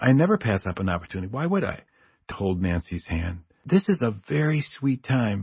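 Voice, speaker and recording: Somewhat breathy and fairly low-pitched, a man talks at a fairly quick pace with very wide pitch swings. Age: 60s. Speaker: author. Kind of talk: interview discussing marriage.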